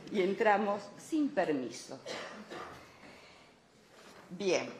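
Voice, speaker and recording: A woman speaking as an academic at a conference, addressing an audience emphatically, with repetition and rhetorical questions. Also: mid-range voice. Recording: echoey room, light background noise.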